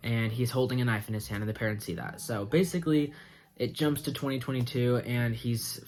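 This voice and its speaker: With music in the background, a man's medium-pitched voice shows ordinary pitch variation. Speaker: movie reviewer. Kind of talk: casual movie review chat. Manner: rambling filler-heavy, casual; fast.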